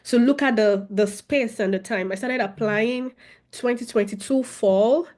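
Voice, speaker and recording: A young adult woman with a Nigerian accent, telling her story as an interview guest in an expressive, animated way. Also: on the high side, a little slow. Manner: expressive, animated, with laughter and repeated phrases. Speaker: guest, former international student.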